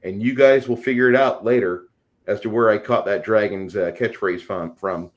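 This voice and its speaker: Here the same kind of speaker, a game master on a panel, holds forth casually and at length in a lowish voice at a moderate pace. His explanations come across as emphatic and full of opinion.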